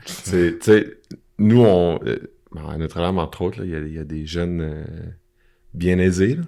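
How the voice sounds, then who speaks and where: A man co-hosting a podcast, talking in relaxed casual interview chat. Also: deep voice, moderate pace. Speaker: podcast host.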